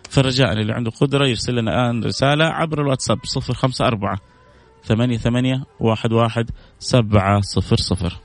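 A man's voice: medium pitch, fast. A man hosting a radio charity call-in, making earnest pleading appeals and repeating blessings. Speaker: radio charity show host. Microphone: studio microphone.

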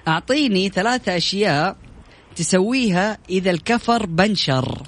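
A man's voice: sits high, lively intonation, normal speed, background noise. A man co-hosting a morning radio show, teasing his guests and laughing often. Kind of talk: playful radio banter.

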